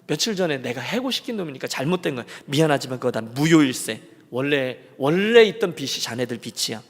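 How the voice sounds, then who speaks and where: A man voicing a wealthy older master who grumbles low, then wryly lets things go. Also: sing-song, a little fast, husky. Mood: irritated. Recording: long church reverb.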